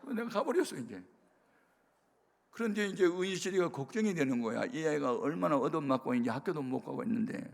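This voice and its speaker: A male pastor giving a sermon testimony, telling his story with animated bursts of loud emphasis. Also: on the high side, a little fast, creaky. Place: prayer retreat sanctuary. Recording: reverberant worship hall.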